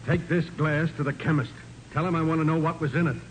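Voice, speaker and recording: An actor playing a grumbling, excitable American police sergeant in 1940s radio style, blustery and sarcastic. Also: male voice, fairly high pitch, natural voice. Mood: gruff, businesslike. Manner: blustery, sarcastic, halting when flustered. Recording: noisy old 1940s radio recording.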